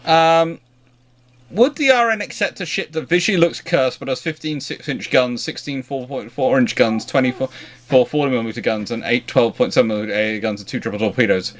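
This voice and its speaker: Man, medium pitch, informal host, discursive explanations, halting delivery, frequent rephrasing. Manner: discursive, halting, often rephrasing mid-sentence. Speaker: naval history livestream host answering questions. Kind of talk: informal question-and-answer talk.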